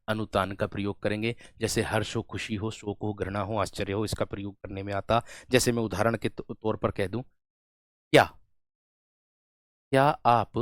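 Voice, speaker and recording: A man teaching a Hindi class, slowly repeating words, addressing students as friends, while running a fever. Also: lowish voice, no echo, studio quality. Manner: slow, drawn-out repetition of words. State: has a fever. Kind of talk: online class lecture.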